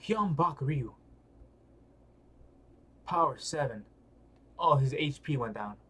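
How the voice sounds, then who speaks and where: A man's voice: on the high side, expressive, takes it slowly, a bit bright, breathy edge. A man streaming a read-along, talking casually and slangily with muttered asides and reactions.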